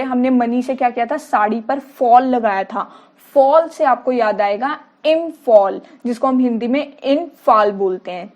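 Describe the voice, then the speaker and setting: A woman's voice: fairly high pitch, darkish tone. A woman teacher explaining memory tricks to students, asking questions and answering them herself while repeating key words. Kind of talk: mnemonic lesson for students.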